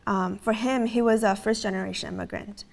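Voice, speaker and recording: A woman's voice: medium pitch, steady tone, brisk, gravelly, a little mellow. A woman in her twenties, raised in Canada, earnestly explaining her business in a casual interview, with frequent fillers. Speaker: startup co-founder, guest.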